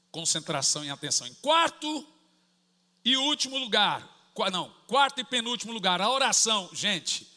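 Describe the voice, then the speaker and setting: A middle-aged man, preaching a sermon full of personal stories, acting out family dialogue and breaking into sudden shouts. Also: high voice, big-room sound. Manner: animated, acts out family dialogue, bursts into shouts. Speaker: pastor.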